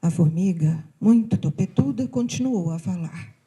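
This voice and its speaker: A woman from telling a children's fable in an animated, chatty way, talking straight to her listeners. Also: fairly low pitch, moderate pace, rough recording. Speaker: storyteller.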